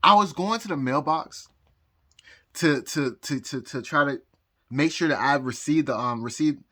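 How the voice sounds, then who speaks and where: Bright-voiced man rambling, halting speech. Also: on the high side. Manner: halting, repeats words, frequent pauses and nervous laughs. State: out of breath. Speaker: vlogger. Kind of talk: rambling personal story to camera. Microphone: phone recording.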